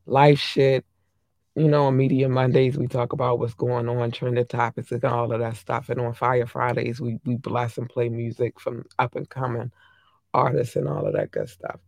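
Hoarse, gravelly podcast host. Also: medium pitch, moderate pace, no room sound, studio quality. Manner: affectionate, shouting out listeners by country. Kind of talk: casual podcast chat.

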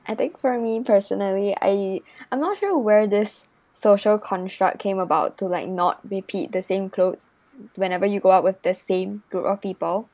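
A woman's voice: medium pitch, moderate pace, mellow, no echo. A young woman, hosting a student podcast in an informal, conversational way. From Singapore. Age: young adult. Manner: informal, peppers speech with "like". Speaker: podcast host.

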